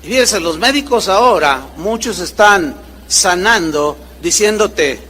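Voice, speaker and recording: A man preaches in a high, bright voice with a long reverb behind him, the way a large hall sounds. He swings his pitch widely as he acts out short exchanges between people in his stories. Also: measured pace. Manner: animated preaching with acted-out dialogue voices. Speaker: pastor. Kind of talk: sermon.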